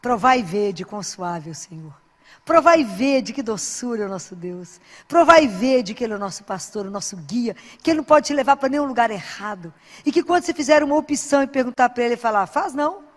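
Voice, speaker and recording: A woman's voice: on the high side, animated, fast talker, in a large hall. A woman who is a Christian speaker and doctor, giving an informal sermon full of anecdotes in an earnest, exhorting, conversational way.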